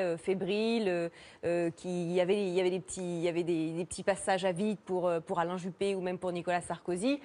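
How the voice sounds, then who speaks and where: A woman with a standard French accent from France, giving spontaneous studio political commentary in a halting way. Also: medium pitch, darkish tone. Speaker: political journalist and guest commentator. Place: TV studio set.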